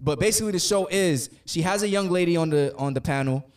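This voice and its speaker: A man's voice: fairly high pitch, fast. A man in his late twenties from New York, hosting a podcast and joking loosely with his co-hosts. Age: late 20s. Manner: loose, joking, talks over the others. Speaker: podcast host. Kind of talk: casual chat. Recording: distant from the mic.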